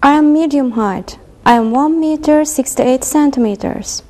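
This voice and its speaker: Female class assistant, high and mellow voice, short simple answers. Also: moderate pace.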